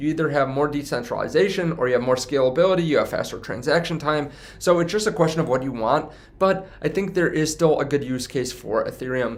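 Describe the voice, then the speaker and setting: Mumbling at a very fast pace, a man speaks in a fairly high pitch with ordinary pitch variation. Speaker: crypto YouTuber. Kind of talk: casual investment commentary to camera. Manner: unedited, slightly mumbling.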